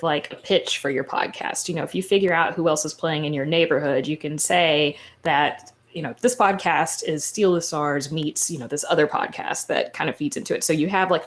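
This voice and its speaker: A woman speaking as a panelist in an informal discussion, explaining in a conversational manner. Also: low-pitched.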